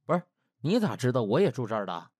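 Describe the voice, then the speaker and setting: A man's voice: medium pitch, big pitch swings, quick pace, darkish tone, husky, no room sound, studio quality. A man voicing a cheeky, easily cowed young doctor who grumbles and protests in a comic audiobook. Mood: wary. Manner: whiny, sarcastic, stammering protests. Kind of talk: comic audiobook drama acting.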